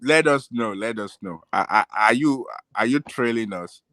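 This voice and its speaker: A man's voice: mid-range voice, lively intonation, normal speed, a bit bright. A man in casual panel banter, playfully doubting another speaker.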